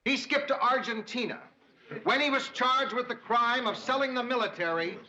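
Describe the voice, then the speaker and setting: An actor playing a gruff, blunt, middle-aged male news boss. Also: very high-pitched, moderate pace, crowd noise. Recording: dull, very noisy old TV audio.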